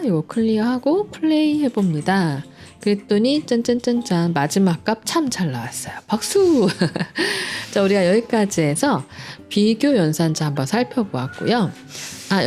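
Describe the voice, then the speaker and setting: A woman's voice: mid-range voice, darkish tone. A woman teaching a programming lesson at home, playful and cheerful, patiently walking through each step. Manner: playful, cheerful, sound effects like "짠짠짠"; chatty and patient explaining. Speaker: coding instructor. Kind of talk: screen-recorded programming lesson.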